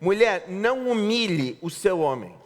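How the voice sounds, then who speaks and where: Lively joking Brazilian pastor in a hall. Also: male voice, high-pitched, a little slow. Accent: Brazilian Portuguese. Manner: lively, joking preacher acting out spouses' lines. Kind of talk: sermon. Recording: reverberant hall.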